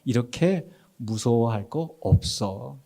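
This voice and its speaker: A gentle, fatherly Jesus figure, as a male preacher puts him on, speaking softly and low to calm frightened disciples. The voice drops lower and quieter than the preacher's usual talk, steady and soothing. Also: slow pace, gravelly, heavily acted. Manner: soft, low, soothing reassurance.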